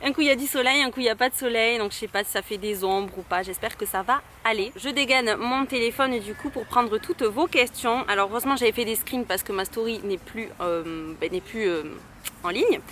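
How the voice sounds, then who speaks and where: A young woman from Toulouse chats through viewer questions in a fairly high voice. She hesitates often and fills pauses with little sounds. Faint street noise hums behind her outdoors. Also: a bit bright. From Toulouse, France. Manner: hesitant, many fillers. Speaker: YouTuber. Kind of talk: casual Q&A vlog.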